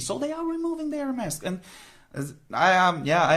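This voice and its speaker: A man with a German accent speaks at a moderate pace, his pitch swinging very widely. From Germany. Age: 30s. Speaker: bodybuilder and protest organizer. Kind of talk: podcast interview. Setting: studio. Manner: halting.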